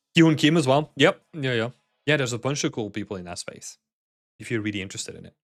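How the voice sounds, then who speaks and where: Speaking very fast with a Dutch accent, a man uses lively intonation and big swings in loudness, his sound dry and close with no echo. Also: medium pitch for a man. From Belgium, Antwerp. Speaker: game environment artist and streamer. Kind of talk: livestream feedback chat. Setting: online livestream. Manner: casual, many fillers.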